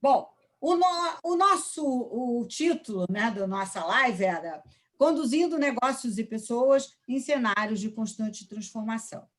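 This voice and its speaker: A woman's voice: fairly high pitch, expressive, unhurried. A woman with a Brazilian accent, moderating a live business panel.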